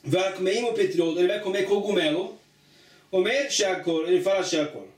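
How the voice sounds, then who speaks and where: A man with a high voice teaches a religious study lesson. He reads a passage, then explains it in plain, repetitive steps. He is recorded from a distance in an echoey room. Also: normal speed. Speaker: Talmud teacher.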